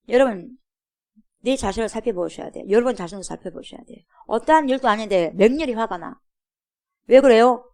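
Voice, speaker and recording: Woman pastor preaching with emphatic questions. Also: a little high. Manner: emphatic preaching with repeated rhetorical questions to the congregation. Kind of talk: sermon. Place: church.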